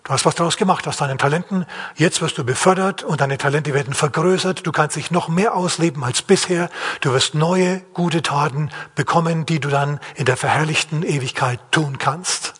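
A man preaching a sermon who quotes a stern rich master judging his servants, in a husky voice. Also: on the high side, moderate pace, fairly bright tone. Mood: solemn. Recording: long hall reverb.

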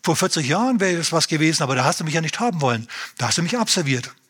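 A man gives a sermon in an animated, conversational way, acting out the voices of the people in the story. His voice is a little high for a man and has a husky edge. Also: rapid-fire. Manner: animated, acts out dialogue in a conversational tone. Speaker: preacher. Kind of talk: lively sermon retelling scripture.

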